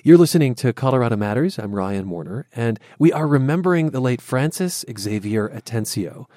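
A man from Southern California with an American accent, hosting a public radio interview in a measured, articulate way. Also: mid-range voice, expressive, dark tone, no room sound, studio quality. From Southern California, USA.

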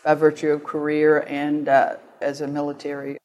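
A woman's voice: deep voice, monotone, moderate pace, darkish tone, low-quality recording. A woman in her seventies who speaks in a friendly way and laughs easily. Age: 70s. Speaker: guest.

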